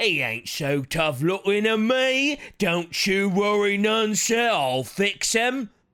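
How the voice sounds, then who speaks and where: A put-on character voice with a British accent sits at a fairly high pitch. It moves at a fairly slow pace with hardly any pauses. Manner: dim-witted, gruff.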